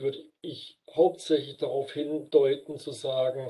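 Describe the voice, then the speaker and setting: Somewhat breathy, a male voice carries a dark, mellow tone. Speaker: author and systems theorist. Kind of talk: interview.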